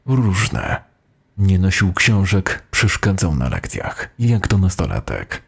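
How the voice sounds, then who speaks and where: A man voicing a defiant, foul-mouthed schoolteacher under suspicion in an audio horror story, gruff and agitated. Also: low voice, sing-song, slow pace, exaggerated voice. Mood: grudging.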